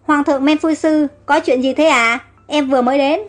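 A jealous court lady from an audio storybook, scornful toward her rival and sugary to the king. A woman reader puts her on in a high, near-natural voice. Soft music hums faintly behind. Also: fairly even intonation, normal speed, lightly acted. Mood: feigned sweetness. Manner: scornful, falsely sweet.

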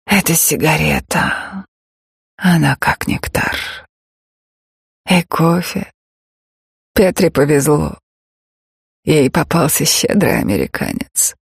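A man voicing a hushed, guarded East German woman. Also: fairly high pitch, sing-song, slow, vocal fry, long pauses, slightly rough, no room sound, studio quality, heavily acted. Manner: soft, hesitant, breaking off mid-sentence.

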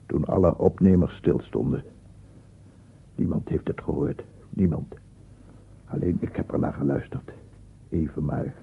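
A man's voice: extremely low pitch, unhurried, creaky, long pauses, breathy edge, exaggerated voice. An actor playing a tormented, obsessive madman in a theatrical Dutch radio play monologue, intense and swinging from whispers to cries. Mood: haunted, brooding. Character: tormented, obsessive madman addressing imagined gentlemen. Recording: tinny, band-limited old radio recording.

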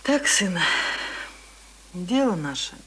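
A woman's voice: fairly low pitch, very animated, slow pace, a bit bright, breathy edge, full character voice, poor audio. An actress in a Russian radio play playing a weary, middle-aged single mother with a folksy, sighing way of talking. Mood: resigned, tender. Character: weary single mother of a schoolboy, no longer young. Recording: hissy old radio drama recording.

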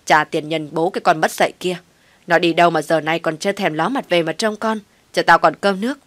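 Woman doing a shrill scolding mother-in-law. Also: steady tone, a little fast, no echo, natural voice. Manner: harsh, nagging, shouting insults.

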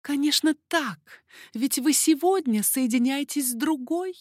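Brief: a woman playing a coy young baroness, high and breathy, lilting and teasing. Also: animated, measured pace, darkish tone, dry recording, clean studio sound. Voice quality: breathy, airy whispers. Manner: coquettish, lilting.

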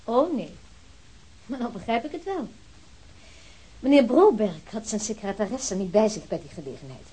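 A sardonic secretary with a slightly breathy, fairly high voice,. She is brisk and dry. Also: lively intonation, mellow, poor audio. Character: sharp, ironic young woman secretary. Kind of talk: radio play acting.

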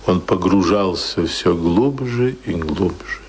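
An actor narrating a radio play as a solemn, grave storyteller in a measured, dramatic way. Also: male voice, sits low, lively intonation, a little mellow, husky, heavily acted. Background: faint music.

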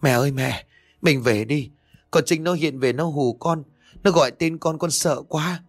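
A man's voice: a little high, moderate pace, no room sound, studio quality, faint music behind, pitched above the performer's own voice. A man voicing a frightened young woman who stammers and pleads with her mother in a spooky storybook tale. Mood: terrified, pleading.

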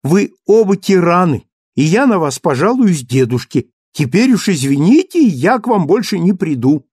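A man's voice: high voice, normal speed, slightly rough, dry recording, clean studio sound, voice pushed up, heavily acted. A man voicing a playful, petulant young wife who coaxes and pouts. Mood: pouting, coaxing. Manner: coaxing, pouting, lively.

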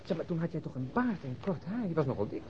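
A man's voice: on the high side, sing-song, fast. A middle-aged police detective, sardonic and full of grumbling banter. He talks like a man in a radio play, on a dull, lo-fi recording. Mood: frank. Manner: sardonic, bantering, food-loving. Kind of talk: Dutch radio drama dialogue.

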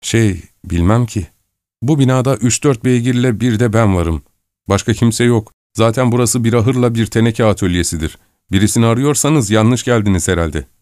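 A man voicing a shy, reserved young woman in an audiobook reading, polite and gently guarded. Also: lowish voice, moderate pace, no room sound, clean studio sound, lightly acted. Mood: hesitant.

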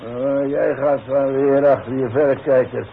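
A proud, touchy old demolition man in a vintage radio play. His voice is creaky and gruff, and he talks in halting grumbles. The old recording is narrow and noisy. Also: medium pitch, fairly even intonation. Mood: indignant, stubborn. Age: older. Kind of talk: 1960s Dutch radio play acting.

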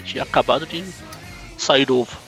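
A man's voice: mid-range voice, fairly even intonation, a little fast, fairly bright tone, faint music behind, poor audio. A Brazilian man with a Brazilian Portuguese accent, co-hosting a casual comic book podcast, joking and adding trivia he looks up. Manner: jokey, looks things up, adds trivia. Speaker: podcast co-host.

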